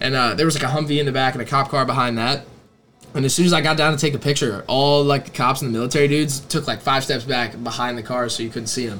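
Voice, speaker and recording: Medium-pitched man at a very fast pace, fairly even intonation, noticeable background noise. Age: 20s. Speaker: skateboarder. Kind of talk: casual chat.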